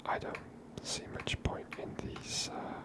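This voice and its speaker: A woman whispering breathily close to the mic as she hosts an ASMR game playthrough, soft and musing. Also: unhurried. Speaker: gaming host.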